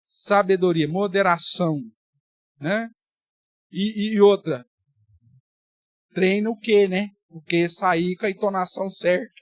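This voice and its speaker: A man's voice: sits high, fairly even intonation, a little slow, pauses often, dry recording, studio quality. A man, a pastor teaching a Bible study in a conversational way with playful exaggeration. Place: church.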